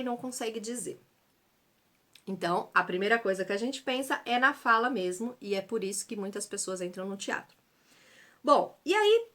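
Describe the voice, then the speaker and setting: Lively bright-voiced Brazilian theater teacher. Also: female voice, on the high side. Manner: chatty, explanatory, frequent fillers and "né?". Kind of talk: online theater lesson.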